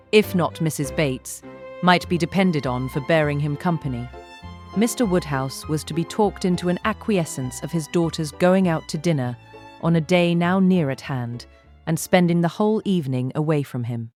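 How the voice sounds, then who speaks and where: A woman reading a literary audiobook as narrator, measured and articulate. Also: low-pitched, darkish tone, faint music behind.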